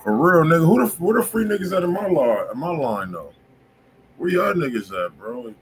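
A man's voice: on the high side, big pitch swings, moderate pace, noisy background. A man hosting a music review livestream from a room at home, talking loosely in slang and calling out to his viewers. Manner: loose slangy talk, calls out to chat. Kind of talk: casual livestream chat.

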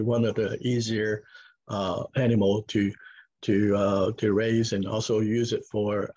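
Hong Kong-accented man, 50s, husky voice, hesitant interview talk, muffled video-call sound. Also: medium pitch, a little mellow. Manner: halting, many fillers and restarts. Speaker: farm owner, guest. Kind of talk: casual interview answers. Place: home room with log walls, indoors.

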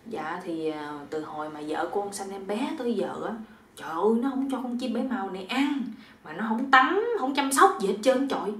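A woman with a Southern Vietnamese accent voicing a sly young son-in-law who talks in a soft, coaxing, pleading way. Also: mid-range voice, a little fast, far from the mic, natural voice. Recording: roomy echo.

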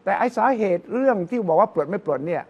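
Older male pundit, high-pitched, chatty storyteller who acts out quotes. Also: fast, breathy edge, muffled recording. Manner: animated storytelling, quotes others in lively voices. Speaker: political commentator. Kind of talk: casual political discussion.

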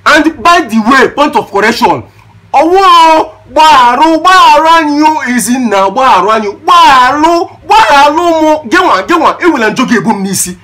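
A man's voice: very high voice, animated, fairly quick, few pauses, bright, forceful tone, husky, exaggerated voice. A man with a Nigerian Igbo accent playing an exasperated, mocking grown son in a comedy film, sarcastic and repetitive, switching between English and Igbo.

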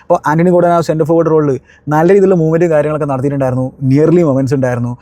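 A man talks through a football match review at a very fast clip, chatty and emphatic. His tone is dark and mellow. The sound is dry and close, with no room around it. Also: fairly high pitch, fairly even intonation, dry recording. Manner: conversational, emphatic exclamations. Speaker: football analyst.

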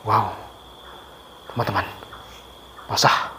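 A man's voice: lowish voice, fairly even intonation, takes it slowly. A middle-aged man narrating to viewers while exploring an abandoned overgrown building at night, on a handheld camera. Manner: addresses viewers, calls out loudly to spirits. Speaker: ghost-hunting vlogger. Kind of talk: hushed exploring commentary. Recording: faint night insect noise. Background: crickets and insects.

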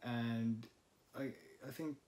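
A young native Finnish speaker from Finland hosts a casual language-study vlog from his living room sofa, thinking aloud with fillers. His warm, medium-pitched voice has fairly even intonation and an unhurried pace. A camera in front of the couch records him.

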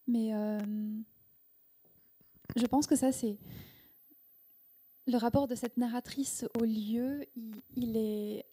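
A woman in her thirties whose first language is Korean, answering interview questions at a live event into a handheld mic, thoughtful and halting with frequent restarts. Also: on the high side, fairly even intonation, warm tone, slightly rough. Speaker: guest author. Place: indoor event room with audience. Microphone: handheld microphone.

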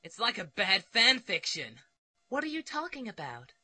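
A man's voice: high voice, wildly swooping pitch, moderate pace, pushed and bright, heavily acted. A man voicing a vain, flamboyant young fighter in a fan parody dub, taunting in a sing-song way.

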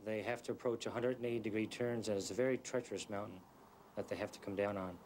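A man's voice: fairly low pitch, fairly even intonation, fast talker, very noisy. A man explaining a dangerous mountain road in a matter-of-fact interview.

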